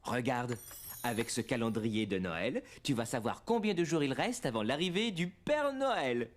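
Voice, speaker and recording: A kindly young dad, acted by a man in a children's cartoon. His voice is fairly high and swings widely in pitch as he explains and encourages, reassuring a small child. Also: very animated, normal speed, natural voice.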